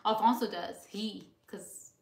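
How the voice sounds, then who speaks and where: A young woman from California talks loosely across a kitchen counter, dropping in Spanish phrases between laughs. Her voice sits at an ordinary middle pitch. The room adds a noticeable echo. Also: fairly even intonation, takes it slowly, creaky, darkish tone. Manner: chatty, switches into Spanish, laughs often. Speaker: vlogger. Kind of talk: casual chat. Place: home kitchen, indoors.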